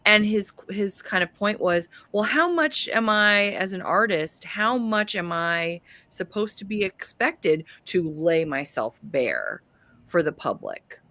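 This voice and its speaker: A woman's voice: medium pitch, sing-song, slow pace, sharp tone, dry recording. A woman hosting a book club, casually posing questions and talking them through with the group. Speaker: book club host leading discussion. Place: remote group live stream.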